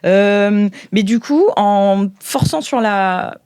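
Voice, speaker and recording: A woman's voice: mid-range voice, takes it slowly, a little mellow, clean tone, no echo, clean studio sound. A woman improvising narration as game master of a sci-fi tabletop roleplay, hesitant and searching for her words.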